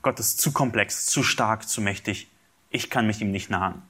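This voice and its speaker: A man's voice: fairly low pitch, normal speed, sharp tone, breathy edge. Earnest male preacher explaining scripture. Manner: earnest, explains verse by verse, speaks to the congregation directly. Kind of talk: expository sermon on scripture.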